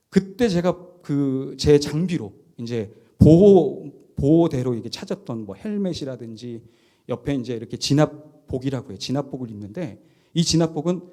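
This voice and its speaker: Animated middle-aged male pastor. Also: mid-range voice. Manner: lively anecdotal telling, chuckling often. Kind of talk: sermon with personal storytelling.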